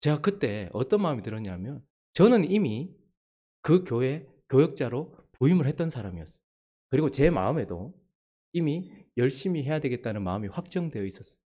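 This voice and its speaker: Animated male pastor telling a story. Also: medium pitch, brisk. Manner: animated storytelling, acting out the people he quotes. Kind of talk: sermon with a personal story. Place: church.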